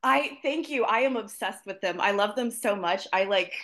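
A woman's voice: medium pitch, animated, normal speed, fairly bright tone. A woman author being interviewed from her apartment, chatty and upbeat, laughing often. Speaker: author guest. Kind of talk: casual interview chat.

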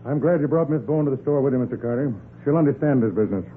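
A man's voice: medium pitch, racing, narrow, tinny audio, slight background noise, lightly acted. A man playing an irritable, tight-fisted department store president, pompous and curt, in 1940s radio style on an old recording. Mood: businesslike, aggrieved.

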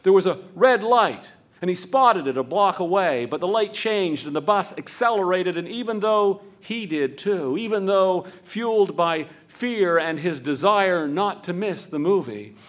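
A man narrating a live story in a light, fairly high voice. He strings long sentences together and drops to a slow hush for the tender parts. It sounds like a storyteller holding a room. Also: lively intonation. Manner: slows to a hush for tender moments, building run-on sentences. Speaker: storyteller and host.

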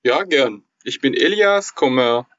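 A young man from Iran, talking casually as a podcast guest in German, pausing often with fillers as he searches for words. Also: mid-range voice, lively intonation, a bit bright, dry recording, lo-fi sound. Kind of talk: casual interview conversation.

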